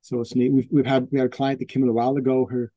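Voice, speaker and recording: Male photographer, mellow tone, dry close sound, chatty storyteller who acts out the voices of the people he quotes. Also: medium pitch, very fast, no echo. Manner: animated, acts out quoted voices, restarts often. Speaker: portrait photographer telling client stories. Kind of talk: casual storytelling in an interview.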